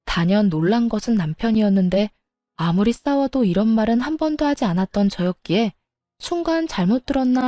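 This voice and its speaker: A woman tells a first-person story in a calm, confiding voice. Her tone is mellow and dark, with no bright edge. The recording is dry and close, with soft music underneath. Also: medium pitch, dry recording. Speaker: story narrator. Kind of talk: scripted story narration.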